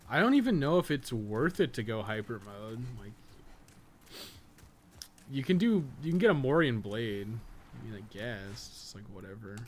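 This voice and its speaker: A man's voice: medium pitch, very animated, normal speed, slight background noise. A man chatting casually on a live game stream, rambling, thinking aloud and swearing freely.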